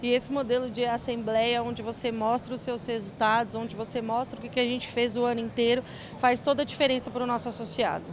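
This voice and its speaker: A woman's voice: fairly high pitch, little pitch movement, a little fast, background noise. A young woman from São Paulo city, a bank branch manager answering interview questions cheerfully into a handheld mic in a large event hall. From São Paulo city, Brazil. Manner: cheerful, laughs easily. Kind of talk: casual interview chat. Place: large indoor event hall with rows of chairs.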